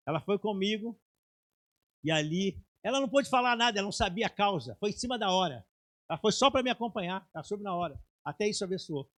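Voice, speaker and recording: A middle-aged man preaching a sermon with personal testimony, moving from quiet storytelling to loud, shouted exhortation. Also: a little high. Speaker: pastor. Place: church sanctuary.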